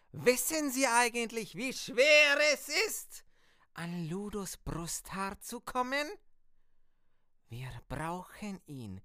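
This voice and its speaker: A woman's voice: on the high side, pushed and bright, clean tone, dry recording, clean studio sound, full character voice. A woman playing a commanding, impatient villain in an amateur German audio drama, speaking in solemn, archaic formal phrases over music. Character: commanding, impatient villain conjuring helpers from the underworld. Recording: music bed under the voice.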